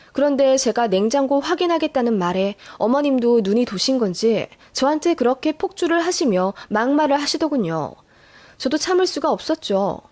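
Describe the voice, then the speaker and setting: A woman narrating a first-person radio-drama story in an emotional, expressive way. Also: high-pitched.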